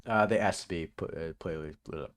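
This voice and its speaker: A young man casually commentating over his own video, laughing often, swearing and now and then yelping loudly. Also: sits low, normal speed. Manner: laughs often, swears, bursts into loud yelps. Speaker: video essay creator doing live commentary.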